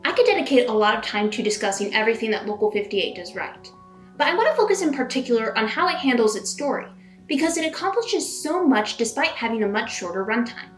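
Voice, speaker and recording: A woman with a fairly high, expressive voice speaks at a quick pace, hosting and narrating a scripted video essay. She keeps it conversational but leans into dramatic emphasis, with background music behind her.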